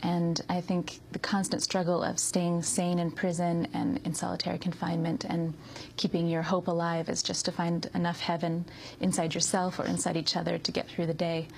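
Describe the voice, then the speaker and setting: Low gravelly american woman in her 30s, soft and halting with lots of ums, faint hiss behind. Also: flat delivery. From United States. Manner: hesitant, with many ums and soft laughs. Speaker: interview guest. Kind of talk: soft-spoken interview answers.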